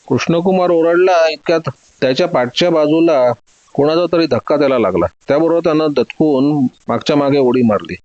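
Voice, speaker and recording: A man narrates a detective thriller in a steady, dramatic reading voice, pitched a little high. The recording is dry and slightly dull. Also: dry recording. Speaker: storyteller. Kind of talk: scripted narration of a detective story.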